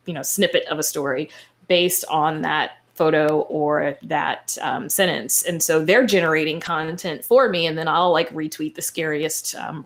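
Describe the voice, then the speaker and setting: A woman's voice: low-pitched, creaky. A woman speaking as a podcaster on a panel, giving informal, explanatory advice in a conversational way.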